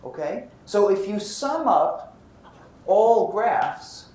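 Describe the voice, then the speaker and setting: An American man from Brooklyn gives a physics lecture with anecdotes in a lecture room, posing questions and answering them himself. His voice is high with big pitch swings, drawn-out words and a darkish tone. The recording has roomy echo and faint background noise.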